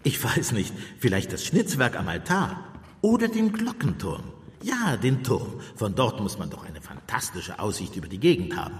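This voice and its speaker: An actor playing a mild, shrewd Catholic priest detective in a German radio play, measured and politely evasive with understated irony. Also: male voice, mid-range voice, huge pitch swings, slightly rough, no room sound, exaggerated voice. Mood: gentle, coaxing.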